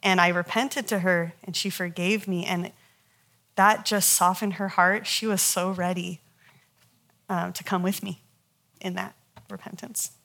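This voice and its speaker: A woman, a Christian counselor, teaching a live workshop in a conversational, animated way and telling stories from her practice. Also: fairly low pitch, a little slow, gravelly, long pauses. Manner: conversational, animated storytelling with frequent laughs.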